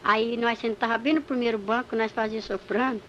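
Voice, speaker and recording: A woman giving an emotional church testimony, telling her story in an animated way and acting out the dialogue. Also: on the high side, brisk. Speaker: testimony speaker. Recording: muffled recording with faint hiss.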